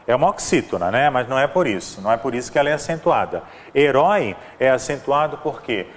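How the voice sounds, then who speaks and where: A man with a Brazilian Portuguese accent teaches an exam-prep grammar lesson, explaining and repeating examples while constantly checking in with "né?" and throwing in "ó". His voice is a little high, with a big-room sound.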